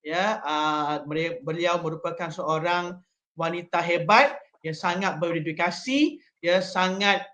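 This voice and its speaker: A man with a Malaysian Malay accent hosting a live online interview, talking with many pauses and fillers. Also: fairly high pitch, pushed and bright, a little hiss or hum. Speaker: live stream host.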